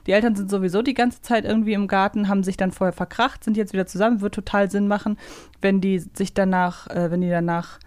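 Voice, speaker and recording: Mid-pitched woman thinking aloud in chat. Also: steady tone, fast, darkish tone. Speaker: podcast co-host. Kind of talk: casual quiz chat.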